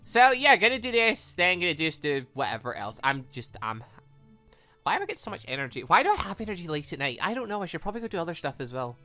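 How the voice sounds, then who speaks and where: Lively, bright-voiced man chatting over game music. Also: high-pitched, quick pace. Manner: excitable, chatty, tangent-prone, thinking aloud. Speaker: host of a game playthrough series. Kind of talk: casual rambling gaming commentary.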